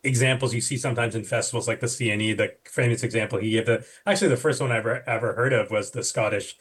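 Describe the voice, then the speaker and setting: A man's voice: medium pitch, fast talker, husky. A man, a physician guest on a radio panel, explaining a medical topic in a thoughtful way with fillers and restarts.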